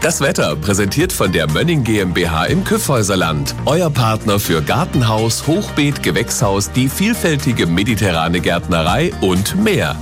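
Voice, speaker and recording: A man's voice: fairly low pitch, very animated, normal speed, few pauses, over music. A man voicing punchy radio station announcements and sponsor reads.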